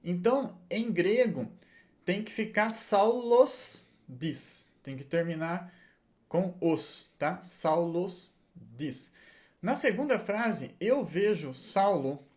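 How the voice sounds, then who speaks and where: A man's voice: high voice, animated, slow. A man giving a patient lesson, explaining step by step and checking in with his listeners often. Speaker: Hebrew and Greek teacher.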